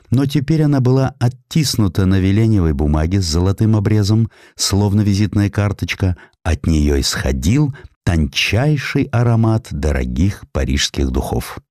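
A man narrating a historical story as an audiobook, in an expressive, dramatic storytelling manner. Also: lowish voice, normal speed, no room sound, studio quality.

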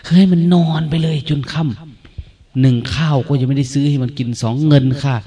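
A man's voice: mid-range voice, fairly quick, warm tone. An older man, a Buddhist monk, giving a colloquial dharma talk at a meditation retreat, full of rhetorical questions and tag particles.

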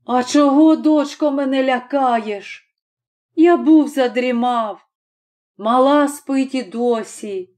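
A woman voicing a weary, gentle old peasant father-in-law who speaks low and soothingly in a storybook reading. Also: takes it slowly.

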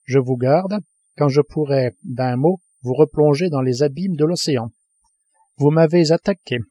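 Brief: male reader as cold, grave submarine commander, dark tone, audiobook. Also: fairly high pitch, breathy edge, no echo. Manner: grave, measured. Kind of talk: audiobook reading.

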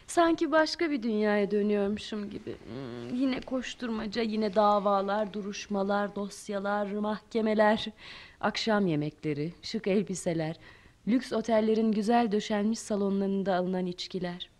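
A woman's voice: medium pitch, normal speed, darkish tone, natural voice. A woman acting a weary, dryly ironic lawyer with poised, dramatic delivery in old-style radio theatre. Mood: weary, melancholy.

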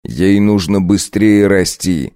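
A man's voice: sits low, mellow, smooth, no room sound, clean studio sound. A man playing a cold vampire count. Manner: slow, clipped and hissing.

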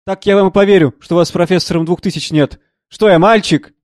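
A man's voice: high-pitched, steady tone, fast talker, a little mellow, no room sound, studio quality, natural voice. A man reading a sneering bully of a financier. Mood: contemptuous. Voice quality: sneering, scornful. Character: rude domineering middle-aged man, blustering financier.

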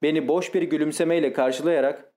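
Guy reading a novel aloud, first person, kinda high voice, calm and steady. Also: a little fast. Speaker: audiobook narrator.

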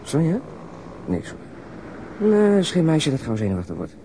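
An actor playing a blunt, impatient police detective in a radio drama, speaking in a gruff, colloquial way. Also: male voice, on the high side, very animated, a little slow, dark tone, a little hiss or hum. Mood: irritated.

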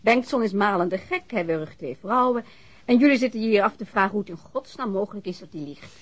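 A woman's voice: mid-range voice, animated, fairly quick, lightly acted. An actress playing a blunt, sceptical woman in a radio drama, speaking with dry sarcasm. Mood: mocking. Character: sardonic woman, blunt, teasing, sceptical of police. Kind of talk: naturalistic radio drama acting.

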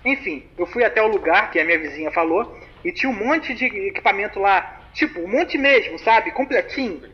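In the role of a young man, an actor spins a spooky story over the phone in casual, slangy talk, sounding chatty. His high voice is animated and brisk. The recording has a muffled phone quality and a faint hiss.

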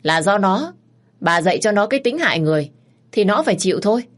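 A woman's voice: medium pitch, animated, moderate pace, pitched above the performer's own voice, natural voice. A woman voicing a stern older landowner who scolds and gives harsh orders. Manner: scolding, commanding.

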